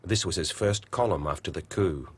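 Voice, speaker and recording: A man giving even, deliberate scripted documentary narration. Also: sits low, a little hiss or hum.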